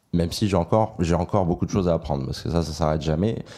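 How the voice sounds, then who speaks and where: A man is talking here. The tone of his voice is dark and mellow. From US West Coast, Los Angeles. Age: 20s. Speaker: sports journalist. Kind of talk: podcast interview. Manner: loud.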